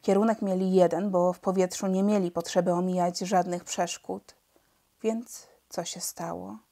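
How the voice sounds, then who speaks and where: A woman narrating a children's audiobook, expressive and measured. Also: lowish voice.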